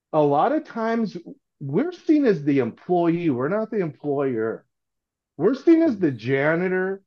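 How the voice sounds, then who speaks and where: A middle-aged man, a podcast guest talking casually and earnestly, often restarting his sentences. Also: high voice. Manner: earnest, rambling, with frequent restarts. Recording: dull, lo-fi sound.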